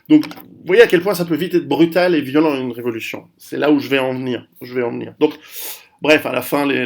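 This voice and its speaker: A man of Italian heritage hosting his own video channel, talking casually through a history lesson with many restarts and fillers. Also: a little high. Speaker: video host. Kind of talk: casual history talk to camera.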